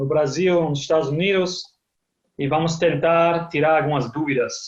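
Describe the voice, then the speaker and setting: A man speaks with a non-native accent. His pitch is fairly high and his intonation fairly even. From Germany. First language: German (speaking Portuguese). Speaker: immigration lawyer. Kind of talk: webinar presentation. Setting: online webinar. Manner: halting, many fillers.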